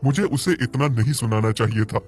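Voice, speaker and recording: A man voicing a jealous, grumpy black bull with a soft heart in a cartoon story, speaking in an emphatic, indignant manner. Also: mid-range voice, a little fast, natural voice. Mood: regretful. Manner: indignant, scolding, emphatic questions.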